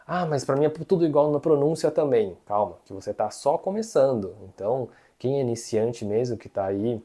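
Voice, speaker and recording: A language teacher with a Brazilian Portuguese accent, patiently explaining pronunciation and slowly repeating syllables as examples. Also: medium pitch, warm tone. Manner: patient, checks in often with tag questions. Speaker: Mandarin teacher. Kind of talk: online language lesson.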